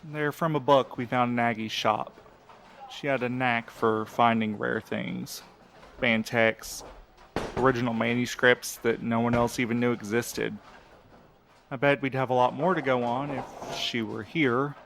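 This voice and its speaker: A man's voice: mid-range voice, fairly even intonation, a little slow, creaky, a bit bright, a little hiss or hum. An actor playing an earnest, cautious, level-headed young man in a conversational audio drama. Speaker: actor in a fiction podcast.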